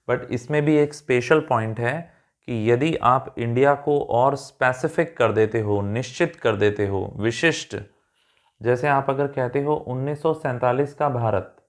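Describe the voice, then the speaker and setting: Speaking in Hindi with an Indian English accent, a man teaches English grammar at a medium pitch. He patiently repeats his points and checks that the learners are following along.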